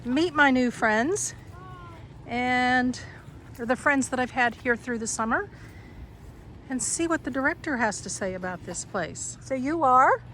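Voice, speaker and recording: Woman, high voice, chatty vlog interviewer, exclaiming, faint vehicle noise behind. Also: expressive, a little slow, fairly bright tone, low-quality recording. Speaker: vlogger interviewer. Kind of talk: casual on-camera interview chat.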